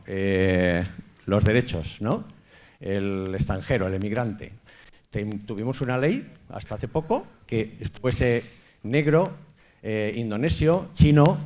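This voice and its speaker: A man's voice: medium pitch, darkish tone. Male audience member at a talk; outspoken, meandering, informal. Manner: blunt, rambling. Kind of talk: audience question at a public talk.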